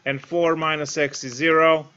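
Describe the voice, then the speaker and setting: Male calculus tutor, high voice, step-by-step explainer, dull lo-fi stream sound. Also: flat delivery, moderate pace, pushed and bright, clean tone. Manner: explains step by step, addresses viewers directly. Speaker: math tutor. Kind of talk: live-streamed calculus lesson.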